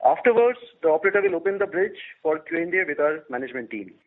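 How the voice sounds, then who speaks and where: Investor relations man, high-pitched, reads a prepared script over a phone-quality line. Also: big pitch swings, fast talker. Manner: reads a prepared disclaimer steadily. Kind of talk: formal scripted call introduction.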